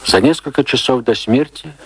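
A man giving scripted narration for a radio drama in a solemn, measured manner. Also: medium pitch, creaky, a little hiss or hum.

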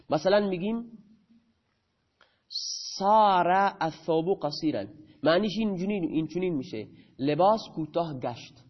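A man teaches grammar in a lecture, with a voice on the high side. He asks the class a question and answers it himself. The recording sounds a little dull and muffled.

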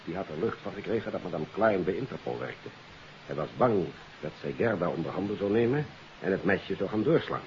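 An actor playing a formal, earnest police detective in the style of a 1950s radio drama. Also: male voice, deep voice, animated, fairly quick. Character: grateful, formal male German police detective. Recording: dull, hissy 1950s radio recording.

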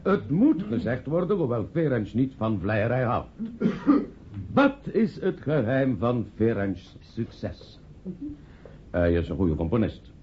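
An actor in a Dutch radio play playing a blunt, opinionated publisher with an emphatic, gossipy way of talking. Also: male voice, medium pitch, big pitch swings, slow. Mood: speechifying. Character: opinionated, blunt publisher, family friend at a party. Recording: thin phone-like sound with noise.

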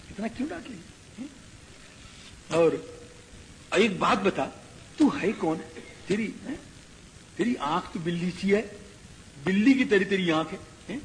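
A man giving a devotional discourse, chanting verses and explaining them, voicing characters. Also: high voice. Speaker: Ramayana preacher. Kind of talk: devotional discourse with Sanskrit recitation. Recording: echoey hall, faint background noise.

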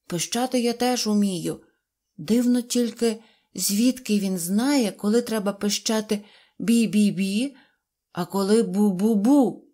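A small, inquisitive fairy-tale man, voiced by a woman reader muses aloud. His voice lifts higher than the narration and turns over each thought slowly. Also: warm tone. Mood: puzzled. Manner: thoughtful, wondering. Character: curious, puzzled little fairy-tale man.

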